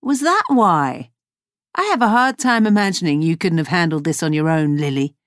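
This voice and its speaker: A woman voicing a brisk, practical young heroine in a story, crisp and matter-of-fact. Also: fairly low pitch, animated, dry recording, studio quality, lightly acted.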